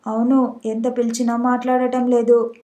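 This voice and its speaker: A woman's voice: fairly high pitch, monotone, moderate pace, dark tone, close to an everyday voice. A woman reading the lines of a proud young woman, frightened and tearful, in nearly her own narrating voice. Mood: distraught.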